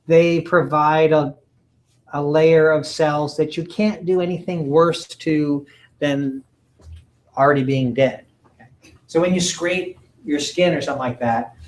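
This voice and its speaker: Halting man lecturing with many ums. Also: fairly high pitch, poor audio. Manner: halting, many ums and uhs, frequent throat clearing. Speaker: college lecturer. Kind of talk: recorded lecture walking through slides.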